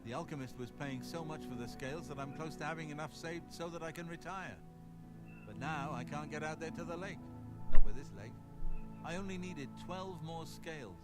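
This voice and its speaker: A man acts out a weary old fisherman in a video game, gruff and full of bitter grumbling. His voice sits a little high for a man. Loud music plays over him throughout. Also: moderate pace, lightly acted. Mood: regretful, pleading. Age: older. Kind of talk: scripted video game dialogue.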